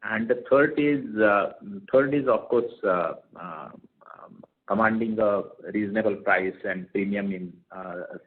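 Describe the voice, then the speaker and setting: Male company executive, lowish voice, hesitant and repetitive phrasing, narrowband earnings-call phone audio. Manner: halting, hesitant phrasing with repeated words. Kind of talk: answering questions on an earnings call. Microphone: telephone conference call. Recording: tinny narrowband conference phone line.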